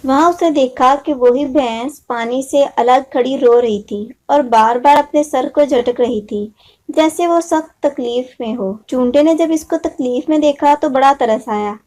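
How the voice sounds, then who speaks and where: A woman's voice: high-pitched, a little slow, darkish tone. A woman storyteller reading a scripted moral story for children.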